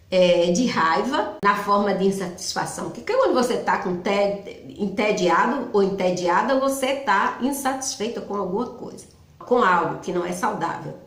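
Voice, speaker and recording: A woman's voice: medium pitch, a bit bright, echoey room. A middle-aged woman hosting a psychology talk, explaining informally and personally, often restarting with fillers. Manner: conversational, personal, with frequent "então" restarts. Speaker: psychology channel host.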